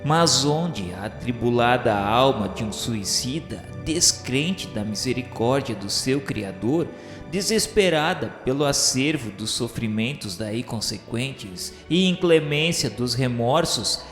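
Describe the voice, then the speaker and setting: A Brazilian man delivers solemn literary narration at a slow, deliberate pace. His declamation is formal and grandiloquent, in the manner of a religious radio novel. The voice rings with echo and long reverb over music. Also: medium pitch, animated, fairly bright tone.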